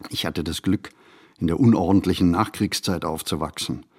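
An actor playing a reflective writer in a literary radio play, speaking his monologue in measured, deliberate phrases. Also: deep voice, a little mellow, husky. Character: reflective male writer musing on writing and society. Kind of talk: literary radio play monologue, scripted first-person narration.

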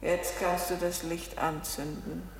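An actress playing a cold, insistent woman who gives measured orders and goads in a crime radio play. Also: lowish voice, flat delivery, big-room sound, noisy background. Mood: hushed, commanding. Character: cold, commanding, goading woman accomplice.

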